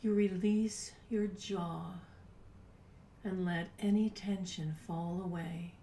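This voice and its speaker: A woman in her sixties leading a guided meditation in a soft, breathy, unhurried voice with long pauses, at times near a whisper. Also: fairly low pitch, steady tone. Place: small home room, indoors. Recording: roomy, distant mic with background noise.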